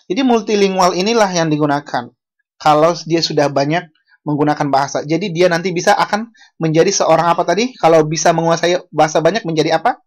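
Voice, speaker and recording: A university lecturer from Bali gives an online language lecture over a video call. They ask the class questions and correct themselves as they go. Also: medium pitch. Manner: unhurried, asks the class questions, self-correcting.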